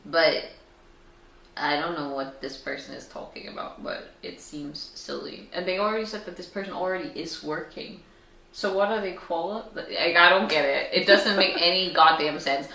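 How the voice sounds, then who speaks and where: A woman's voice: lowish voice, normal speed, sharp tone. A young woman from Finland chatting casually, reacting bluntly and sarcastically to an article. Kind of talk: casual chat. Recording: echoey room, mic at a distance.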